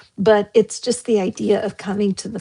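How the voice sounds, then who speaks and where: Vocal fry, a dark, mellow tone and monotone, flat intonation. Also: woman. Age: 70s. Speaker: tarot reader. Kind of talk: live stream tarot reading. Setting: live stream. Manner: casual and chatty.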